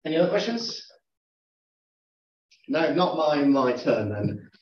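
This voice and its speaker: A man's voice: on the high side, sing-song, takes it slowly. A man chairing an academic seminar, asking probing, argumentative questions from the floor. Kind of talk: academic Q&A discussion. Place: lecture room. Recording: echoey, distant, dull room recording.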